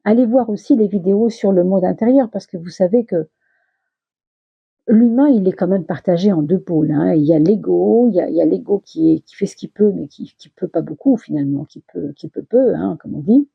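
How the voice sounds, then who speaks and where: This tarot reader talks fairly quickly in a lowish, creaky, husky voice, stumbling through her casual monthly reading with plenty of fillers and false starts. Her voice is going, turning tired and throaty, and she clears her throat along the way. The audio sounds dry and dull.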